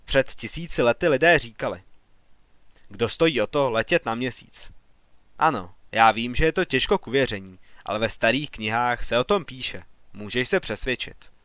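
A man reading a story takes on the part of an ambitious young engineer, pleading his case in an earnest, argumentative way. His middle-pitched voice is expressive, a bit bright and close to everyday speech, recorded dry and close with no echo.

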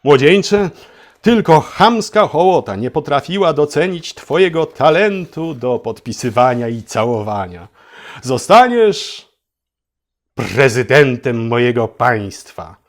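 A man's voice: medium pitch, big pitch swings, takes it slowly. A man voicing a pompous, imperious little ruler in a satirical storybook tale, declaiming his commands. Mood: grandly approving.

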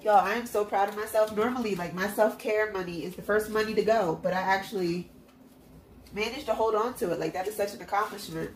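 Sitting at her home table, this budgeting vlogger narrates casually as she sorts cash into envelopes, sounding stuffed-up but cheerful, chatty and encouraging toward herself. Only her hands appear in the overhead shot, and the mic is out of frame. Her medium-pitched voice is fairly quick, the recording reverberant, low-quality and slightly noisy.

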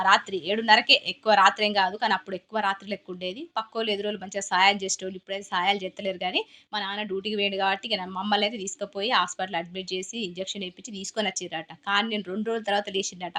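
Woman, Telangana Telugu accent, cooking vlogger, rapid chatty storytelling, bright voice. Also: mid-range voice, fairly even intonation. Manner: chatty, repeats and restarts phrases. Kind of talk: casual storytelling while cooking.

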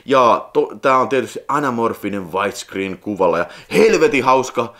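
A man in his forties hosting a casual unboxing vlog, rambling with nostalgia and breaking into excited squealing exclamations. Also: mid-range voice. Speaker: video collector channel host.

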